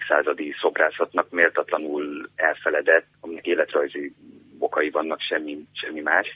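A man talks at a moderate tempo, his loudness swinging widely. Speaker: art historian and translator. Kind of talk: casual interview. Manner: halting.

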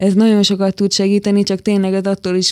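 Speaking at a very fast pace, a woman with a medium pitch and a dark, mellow tone comes through on a very clean recording with a silent background. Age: 20s. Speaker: hard-of-hearing blogger. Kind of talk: radio interview. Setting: radio studio.

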